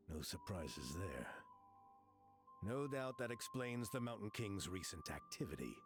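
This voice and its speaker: A man playing an easygoing, knowledgeable tribal guide in a video game, explaining things in a reassuring way. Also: fairly low pitch.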